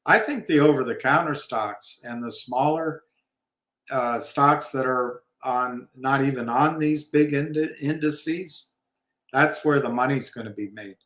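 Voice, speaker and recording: A man hosts a casual livestream about markets, rambling and opinionated and tossing in wry asides. His mid-range voice is a little slow and a bit bright, and the recording has a roomy echo.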